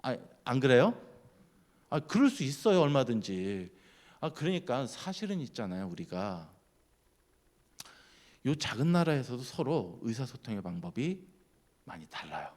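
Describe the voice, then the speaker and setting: A man giving a sermon at a church, keeping it lively by putting questions to the congregation. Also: mid-range voice, moderate pace, pauses often. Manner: lively, keeps quizzing the congregation. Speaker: guest speaker at a church.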